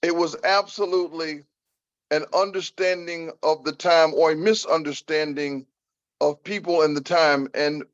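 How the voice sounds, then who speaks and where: An older American man answering an audience member at a talk, speaking deliberately and repeating phrases for emphasis. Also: fairly high pitch, fairly even intonation, no room sound, highs cut off.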